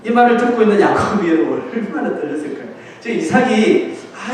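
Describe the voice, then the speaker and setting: A pastor preaches from a church hall, his high voice ringing with heavy echo. He is picked up from a distance, with a faint hiss underneath. He tells the story with animation and acts out the voices of its people. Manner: animated storytelling, acting out quoted voices with laughs. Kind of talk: sermon. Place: church sanctuary.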